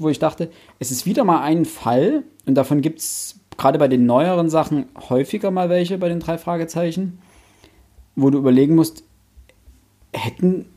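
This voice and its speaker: Man, podcast co-host, slightly high voice, soft-edged tone, husky, colloquial, explanatory, casual discussion. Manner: colloquial, explains plot step by step.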